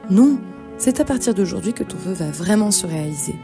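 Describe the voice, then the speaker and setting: A woman's voice: medium pitch, animated, a little fast, gravelly. A woman voicing a wise, grateful talking parrot in a cartoon fairy tale, explaining and reassuring. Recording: music behind the voice.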